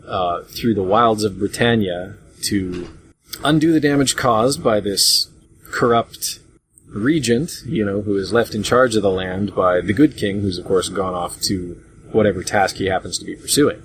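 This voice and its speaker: A man's voice: on the low side, unhurried, a bit bright. A man hosting a casual panel discussion as moderator, talking in a rambling, wry, good-humored way. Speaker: podcast host and moderator. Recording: hobby podcast with furnace hum. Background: noisy furnace hum.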